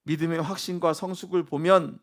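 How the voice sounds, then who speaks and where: A male pastor delivers a sermon in a notably high voice. He keeps asking his listeners questions to draw answers from them. His delivery moves between loud, emphatic lines and soft, almost whispered ones. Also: fairly even intonation, brisk. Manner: preaching with call-and-response questions to the congregation.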